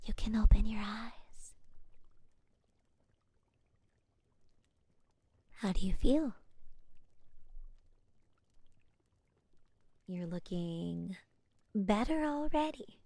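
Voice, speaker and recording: A woman voicing a gentle, slightly scatterbrained witch healer in an ASMR roleplay, whispering softly and reassuringly. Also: medium pitch, lively intonation, slow pace, no room sound. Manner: soft, reassuring whisper with small giggles.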